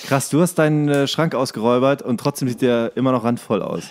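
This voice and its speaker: A man's voice: medium pitch, fast talker, darkish tone. A man who co-hosts a podcast, bantering casually in a teasing, joking way. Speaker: podcast co-host.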